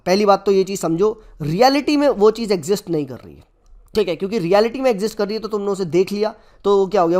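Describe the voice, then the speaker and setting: A man gives a lecture in a mix of Hindi and English. He teaches by asking his students questions and answering them himself. He checks in with the class again and again. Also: sits high. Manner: asks rhetorical questions and keeps checking in with "okay?".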